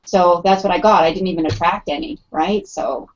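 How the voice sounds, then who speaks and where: A woman's voice: fairly low pitch, a little fast. A middle-aged woman talking in a casual panel discussion, chatty and full of fillers, acting out quoted thoughts. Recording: muffled lo-fi audio.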